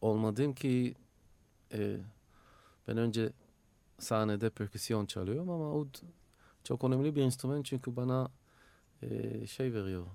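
A man with a dark, mellow tone speaks at a very slow pace with ordinary pitch variation. Long, frequent pauses break up his speech. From Israel. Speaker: percussionist and composer. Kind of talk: radio interview. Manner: halting.

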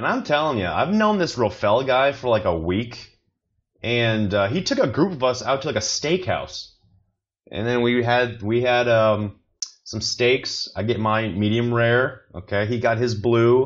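Using an ordinary speaking voice, a man delivers his words at a fairly slow pace. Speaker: podcast host comedian. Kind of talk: casual comedic monologue. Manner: rambling, self-deprecating, filler-heavy; casual, jokey.

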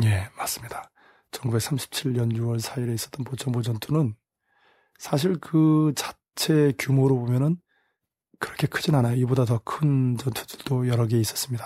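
A man speaks fairly slowly at medium pitch, somewhat breathy, with a dark, mellow tone. His pitch varies in an ordinary way. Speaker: political analyst commentator. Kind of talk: analytical commentary on current affairs. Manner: formal, measured.

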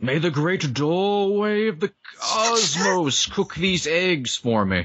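In a put-on character voice, a man speaks at a high pitch and very slow pace with lively intonation. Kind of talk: grand, archaic. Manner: mock-epic.

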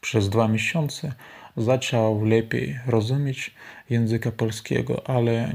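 A man with a Ukrainian accent speaks at a very slow pace, his medium pitch showing ordinary variation. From Ukraine, Donetsk region. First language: Ukrainian (speaking Polish). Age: 30s. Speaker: language learner. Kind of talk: recorded message.

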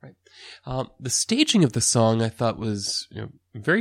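A man with an American accent and a normal speaking voice, medium pitch and moderate pace, in a very clean recording with a silent background and a dry, close sound with no echo. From United States. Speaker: podcast co-host. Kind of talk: casual chat.

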